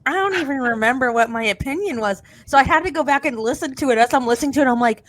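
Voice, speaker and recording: A woman's voice: high-pitched, expressive, fast talker, a bit bright. A woman hosting a podcast in casual chat, blunt and sweary, sounding sniffly with a cold. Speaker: podcast host.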